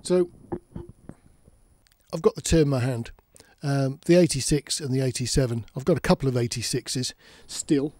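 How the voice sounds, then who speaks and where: A man's voice: medium pitch, normal speed, a little mellow. A man giving a casual explainer as a presenter, talking in a matter-of-fact, conversational way, step by step. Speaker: presenter of an audio gear channel.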